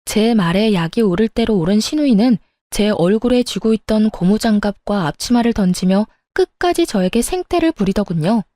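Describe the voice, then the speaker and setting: A woman's voice: mid-range voice, mellow, no echo, studio quality. A woman narrating her own story in the first person, telling it in a matter-of-fact way.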